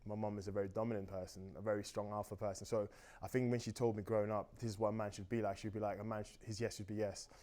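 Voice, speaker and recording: A man's voice: lowish voice, flat delivery, fast talker, few pauses, dark tone. A young man from Austria, a native German speaker, chatting on a date in a talkative, reflective, rambling way. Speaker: dating show guest. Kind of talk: casual dating conversation.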